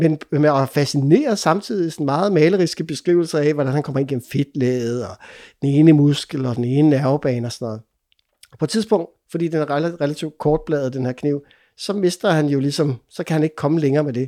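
A man's dark, mellow voice at a fairly quick pace, with ordinary pitch variation, in a very clean recording against a silent background. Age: 40s. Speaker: climber and outdoor communicator. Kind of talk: interview conversation. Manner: halting, many filler sounds.

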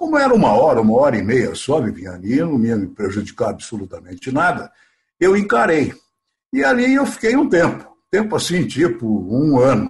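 A man speaks with vocal fry at a fairly high pitch. His pitch swings very widely, and his pace is moderate. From interior of São Paulo state (Duartina). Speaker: radio and TV announcer, journalist. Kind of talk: casual interview. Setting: online call.

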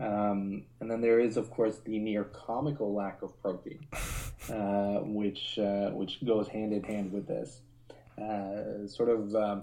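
A man with a Norwegian accent, fairly low pitch, a dark, mellow tone, fairly even intonation and a fairly slow pace. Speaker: restaurant critic. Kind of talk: casual interview chat. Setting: remote call from abroad. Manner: halting, many fillers.

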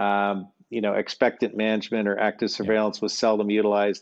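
Speaking at a fairly quick pace, a man with a Canadian accent has a fairly low pitch. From Canada. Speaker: urologist. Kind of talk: interview.

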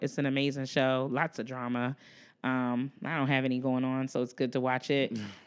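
A woman speaks at a very fast pace in a very deep, low pitch. The background is quiet. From New Jersey. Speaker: podcast co-host. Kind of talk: casual chat. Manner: animated.

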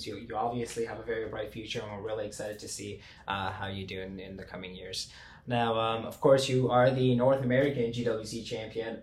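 The delivery moves at a fairly quick pace. Noticeable background noise sits under the voice. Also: man. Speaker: podcast co-host. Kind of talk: casual chat.

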